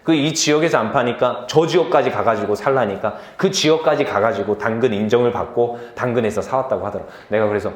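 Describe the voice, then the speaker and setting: A young man preaching a sermon to a youth group, telling stories from his life in a lively way, laughing easily and asking the listeners questions. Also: mid-range voice, roomy sound. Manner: lively storytelling, quick to laugh; asks the listeners questions directly.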